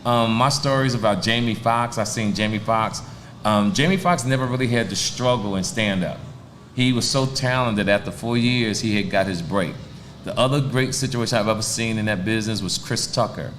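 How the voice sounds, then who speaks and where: A man's voice: lowish voice, moderate pace, a bit bright, slight background noise. A man in his sixties, a stand-up comedian telling stories in a laid-back, streetwise way during a casual interview. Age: 60s.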